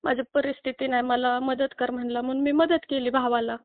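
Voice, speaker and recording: Over a tinny, dry phone line with no room sound, a woman from Maharashtra asks for help in a high, level, brisk voice. She's upset and tearful, pleading her complaint and repeatedly closing with questioning tags.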